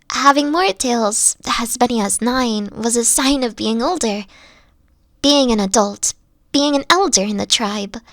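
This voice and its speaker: A gentle three-tailed fox-girl girlfriend, voiced by a woman for a close-mic audio roleplay, soft-spoken and careful as she explains. Her raised voice carries a gravelly fry, and she talks slowly. The sound is dry and close. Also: fairly high pitch, no echo, exaggerated voice. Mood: reflective. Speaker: voice actor.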